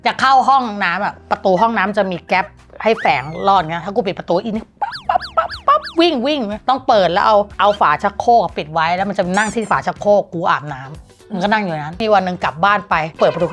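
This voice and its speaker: Fast-talking blunt woman telling stories. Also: medium pitch, very animated, fairly bright tone, soft background music. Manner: blunt, crude storytelling. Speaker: guest. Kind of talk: casual chat.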